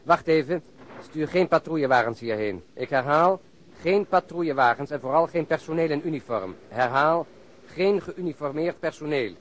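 An actor in a Dutch radio drama playing an alert, commanding plainclothes police detective. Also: male voice, a little high, lively intonation, normal speed, a little hiss or hum, close to an everyday voice. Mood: brisk, official.

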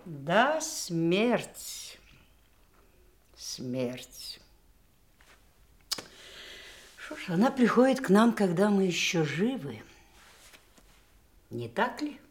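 An actress playing an unflappable, frank nurse in an audio drama, speaking in a wry, matter-of-fact way. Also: female voice, mid-range voice, very animated, drawn-out words, pauses often. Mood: philosophical. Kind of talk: audio stage drama dialogue.

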